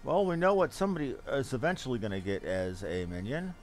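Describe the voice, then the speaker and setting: A man's voice: mid-range voice, animated, quick pace. Man thinking aloud over game music. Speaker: game streamer. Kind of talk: casual gameplay commentary, musing aloud. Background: video game music.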